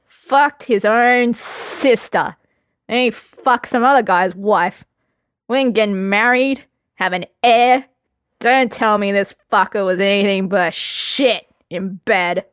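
Woman putting on a rowdy drunk witcher, young man, loud, slurring, crude; dry close read. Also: medium pitch, takes it slowly, smooth, dry recording. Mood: drunk jeering.

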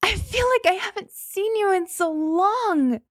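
A woman voicing an excited, bubbly young woman who fusses over her brother's partner. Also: very high voice, unhurried, dry recording, clean studio sound, pitched above the performer's own voice. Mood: gushing. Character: bubbly young woman, fussy older sister. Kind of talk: audiobook reading of fan fiction.

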